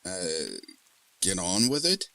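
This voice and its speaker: A man's voice: fairly low pitch, sing-song, a little slow, pitched above the performer's own voice. A man voicing a shaken, incredulous young man, by turns panicked and sarcastic. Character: frightened, angry young man at his lowest.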